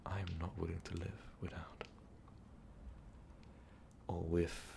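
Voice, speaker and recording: A man playing a lovestruck, remorseful vampire overlord in an ASMR roleplay, speaking in a halting, breathy, confessional way. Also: level tone, noisy background, exaggerated voice. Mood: pained, resigned. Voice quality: breathy, whispery, gravelly low voice. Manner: halting, slow, confessional, formal wording. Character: tormented, lovestruck male vampire overlord, remorseful ruthless conqueror. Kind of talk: ASMR roleplay, intimate monologue to listener.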